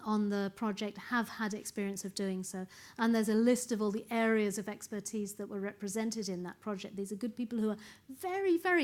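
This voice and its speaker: A middle-aged woman researcher gives an earnest conference presentation in a lecture room. Her voice sits slightly high, and her emphatic delivery often doubles back on words as she gathers her thoughts. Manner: earnest, emphatic, repeats words while thinking.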